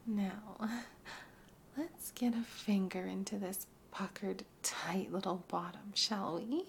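A woman in a whispered adult ASMR roleplay, speaking close to the microphone in a breathy, coaxing hush broken by soft hums. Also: medium pitch, fairly even intonation, slight background noise. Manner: slow, coaxing, intimate delivery.

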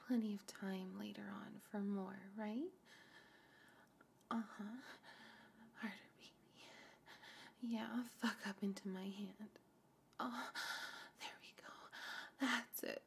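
Woman doing a teasing older babysitter, breathy whisper, slow and low-key, mellow with a bit of gravel. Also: heavily acted. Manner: slow, hushed, coaxing, with soft laughs and hums. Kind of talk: intimate audio roleplay.

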